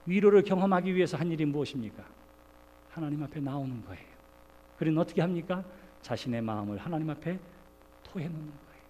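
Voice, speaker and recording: Middle-aged guy pastor preaching, pretty high voice, big echoey church, goes soft then loud. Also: animated, quick pace, a little hiss or hum. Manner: earnest, swings from soft to loud exclamation. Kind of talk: sermon. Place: church sanctuary. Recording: long church reverb.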